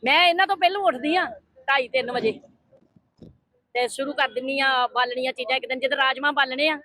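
A woman's voice: high-pitched, a little fast, pushed and bright, dry recording, poor audio. An older woman who cooks at her family food stall, speaking in a devout, matter-of-fact way. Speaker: food stall cook, mother. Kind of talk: casual interview.

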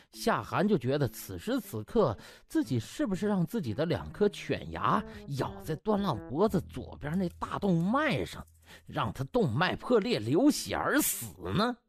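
A male audiobook narrator tells a comic story theatrically. His voice is husky and swings widely in pitch, leaning hard into the emphasis. Faint music plays behind him.

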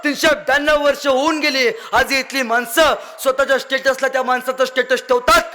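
A man's voice: extremely high pitch, fairly even intonation, brisk, pushed and bright. A young man telling a dramatic story as a public speaker, declaiming and repeating phrases for emphasis. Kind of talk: fiery storytelling speech.

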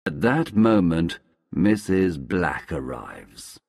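A man narrating a storybook for English learners in a slow, clear, expressive way. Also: sits low, dry recording, clean studio sound.

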